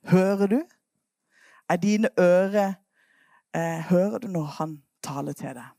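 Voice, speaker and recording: A woman preacher retelling a Bible story in a lively sermon, coaxing her listeners to act out the parts. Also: fairly low pitch, gravelly, no room sound, clean studio sound.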